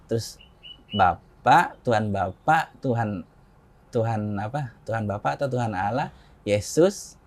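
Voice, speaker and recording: A man in his forties from Indonesia, an interview guest telling a personal story in a relaxed conversational way, acting out quoted dialogue in a raised voice and chuckling often. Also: fairly low pitch, unhurried.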